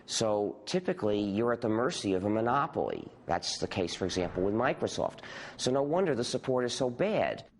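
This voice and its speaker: A man explaining software history in a measured way during a documentary interview. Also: lowish voice, big pitch swings, in a large hall. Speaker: interviewee, software project founder.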